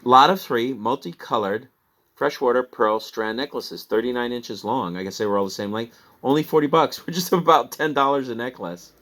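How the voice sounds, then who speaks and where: In a fairly bright, medium-pitched voice at normal speed, a Midwestern American man who resells online chats about what he's sold. He wanders from point to point, talkative and self-deprecating with his laughter.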